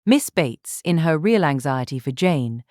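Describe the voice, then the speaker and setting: A woman reading literary narration in a measured, formal way as an audiobook narrator. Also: low voice, animated, darkish tone, no room sound, studio quality.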